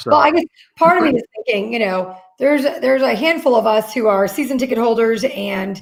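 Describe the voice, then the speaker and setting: Her pace is fairly quick and her intonation lively, in a normal speaking voice. The woman's pitch sits fairly high. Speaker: talk show host. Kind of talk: casual live interview host.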